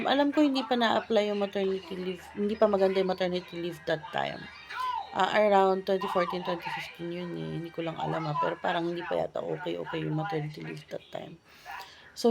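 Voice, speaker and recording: Gravelly-voiced woman venting at home. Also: mid-range voice. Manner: chatty, ranting, exasperated. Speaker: vlogger. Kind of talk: casual vlog chat. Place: home bedroom.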